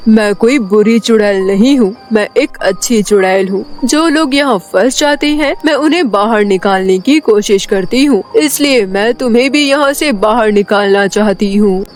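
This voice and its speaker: A woman's voice: mid-range voice, moderate pace, few pauses, faint music behind, natural voice. A woman playing a commanding but good witch who rules a magic world in a cartoon fairy tale. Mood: reassuring.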